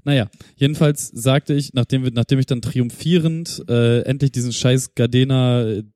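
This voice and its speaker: A man's voice: mid-range voice, moderate pace, dark tone, no room sound, clean studio sound. A man co-hosting a casual podcast chat, rambling and interrupting himself, with casual swearing. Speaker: podcast co-host.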